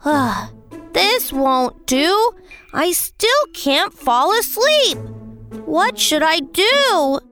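A fretful little boy prince who cannot sleep in a bedtime storybook. His voice sits very high and bright and leaps around as he drags each word out slowly. Faint music plays underneath. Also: sing-song, full character voice. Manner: slow, singsong counting and plaintive sighs. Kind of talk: storybook character voice.

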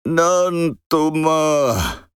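A man's voice: a little high, very animated, extremely slow, fairly bright tone, clean tone, no room sound, studio quality, heavily acted. An actor playing a timid, tearful old male poverty god in a children's folktale, with old-fashioned country speech. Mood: worried.

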